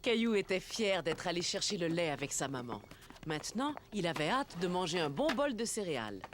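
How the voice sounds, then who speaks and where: A woman performing as the gentle, expressive storyteller of a cartoon for young children. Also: lowish voice, brisk, background noise. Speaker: narrator. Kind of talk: scripted children's story narration. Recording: music behind the voice.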